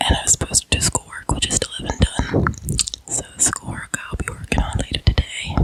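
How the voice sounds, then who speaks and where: Someone whispers at a fairly quick pace with noticeable background noise. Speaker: ASMR creator. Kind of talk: whispered ASMR ramble. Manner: whispering.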